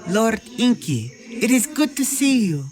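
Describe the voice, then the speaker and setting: A woman's voice: a little high, big pitch swings, unhurried, darkish tone, soft background music. Woman playing a hardened young alien woman. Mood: respectful. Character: hardened young female alien, once innocent. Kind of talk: dramatic audio drama acting.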